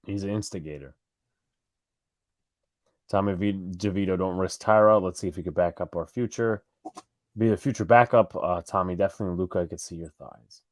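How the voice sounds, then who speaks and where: This New Yorker's deep voice comes through clean studio sound with no echo, fairly quick yet broken by long pauses. As a live fan stream co-host, he calls plays and chats with viewers casually, wandering off track and correcting himself.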